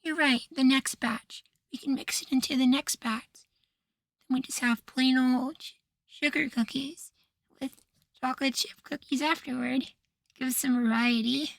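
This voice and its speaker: A man playing an affectionate, easily flustered young femboy househusband in an intimate ASMR roleplay, speaking in a soft, feminine, coaxing way. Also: extremely high pitch, fairly even intonation, a little slow, gravelly, dry recording, exaggerated voice. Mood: soft, reassured. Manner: coaxing, gently praising, sweetly apologetic.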